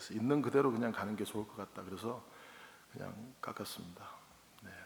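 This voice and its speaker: A man with a non-native accent talks at a very fast pace, his medium pitch showing ordinary variation. His loudness swings widely, and the room echo is audible. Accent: Korean spoken as second language, non-fluent. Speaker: pastor. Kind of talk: sermon. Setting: church.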